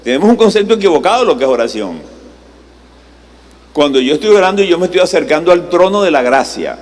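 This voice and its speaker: A man's voice: a little high, animated, quick pace. A male pastor preaching a sermon in a conversational way, posing rhetorical questions to the congregation. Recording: live sermon in a reverberant hall, faint noise.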